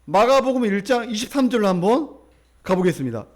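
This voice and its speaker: A male pastor delivers a sermon in church. His voice sits high for a man and moves lively up and down as he tells his story. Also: fairly quick. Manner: animated storytelling, acting out the people in his story.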